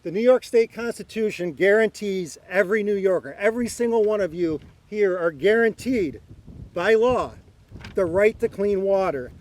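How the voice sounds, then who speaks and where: A man's voice: high voice, normal speed, darkish tone. A man speaking publicly as a mayor, making a statement. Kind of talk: public speech.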